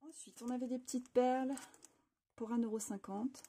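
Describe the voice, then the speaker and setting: Mellow husky woman chatting. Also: on the high side, steady tone, normal speed. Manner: chatty, enthusiastic, frequent fillers and restarts. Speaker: craft channel host. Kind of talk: casual product haul presentation. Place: home craft room.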